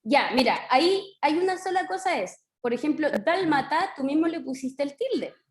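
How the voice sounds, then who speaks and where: A woman's voice: high-pitched, lively intonation, normal speed, reverberant. A woman teaching an online primary class with a Chilean accent, patient and encouraging, stretching out syllables as she explains. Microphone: video call.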